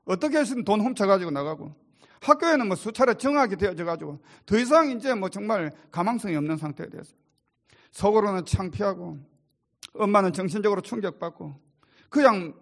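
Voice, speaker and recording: Male pastor, high and animated, preaching with sudden drops to near-whispered storytelling. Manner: swings from loud preaching to hushed storytelling. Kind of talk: sermon.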